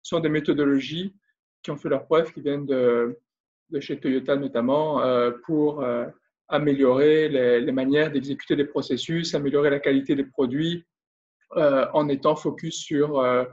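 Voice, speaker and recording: A man's voice: mid-range voice, fairly even intonation, normal speed, darkish tone, muffled recording. A man in his thirties from France with a Belgian French accent, a consultant explaining his work in a casual interview, hesitant and full of fillers. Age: 30s. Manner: hesitant, many fillers and restarts. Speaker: guest, business consultant and trainer.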